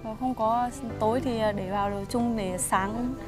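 A young woman from the village answering questions with quiet, brief, polite replies. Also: fairly high pitch, fairly even intonation, normal speed, music in the background. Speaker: local villager guide. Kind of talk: casual conversation.

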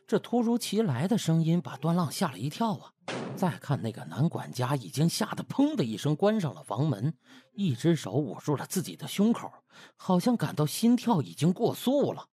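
A man's voice: a little high, sing-song, moderate pace, dark tone, breathy edge. A man narrating a comic audiobook in a colloquial, theatrical storytelling manner. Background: music.

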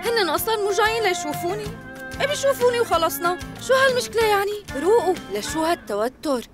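A woman's voice: very high voice, very animated, rapid-fire. A woman with a Syrian accent voicing a breezy, teasing young niece in a dubbed TV drama. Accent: Syrian Arabic. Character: cheeky young niece, lighthearted. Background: music score.

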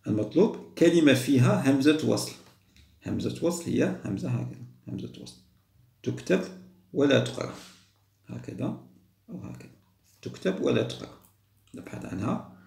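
Gravelly-voiced male teacher, patient. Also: mid-range voice, expressive, darkish tone, roomy sound. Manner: patient, repeats words slowly for pupils. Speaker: primary school teacher. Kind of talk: explaining a second-grade Arabic test.

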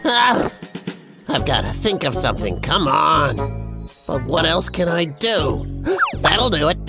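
Cartoon dub: a scheming, soft-hearted logger, excitable mutterer with big pitch swings, unhurried pace. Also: male voice, gravelly, over music, full character voice. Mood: fretful, scheming. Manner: exclamatory, muttering to himself. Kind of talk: animated cartoon dub acting.

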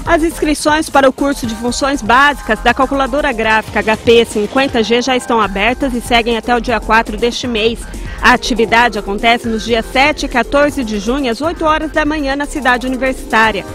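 A woman's voice: a little high, fairly quick, a bit bright. Young woman reading studio news. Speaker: news presenter. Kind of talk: read news bulletin. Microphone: lapel mic. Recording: faint music bed.

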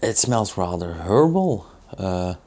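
A man in his thirties from Belgium with a Belgian accent, reviewing a beer in a small indoor studio, thoughtful and unhurried with many fillers. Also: sits low, very animated, dark tone. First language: Dutch.

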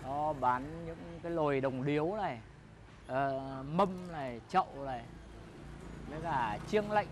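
A man in his forties with a voice pitched a bit high for a man answers questions briefly and plainly, a working craftsman at his street-side shop. Loud, clear street bustle surrounds him. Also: a little slow. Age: 40s. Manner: short, plain-spoken answers. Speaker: coppersmith interviewee. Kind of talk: casual interview. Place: his workshop on a busy street. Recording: noisy street with passing crowds.

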